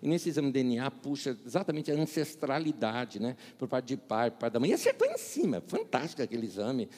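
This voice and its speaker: A man's voice: mid-range voice, wildly swooping pitch, a little fast, darkish tone, breathy edge, in a large hall. A middle-aged man from Brazil preaching a sermon, telling funny stories, acting out the dialogue and laughing at his own jokes. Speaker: pastor. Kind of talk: sermon with humorous anecdotes.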